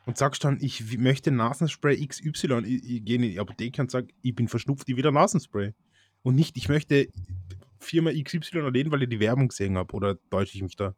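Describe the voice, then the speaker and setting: Austrian dude cohosting a podcast, laughs a lot, tells stories, super dry close mic. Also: male voice, mid-range voice, slightly rough, dry recording. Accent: Austrian German. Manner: chatty, storytelling, quick laughs. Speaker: podcast co-host. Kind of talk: casual chat.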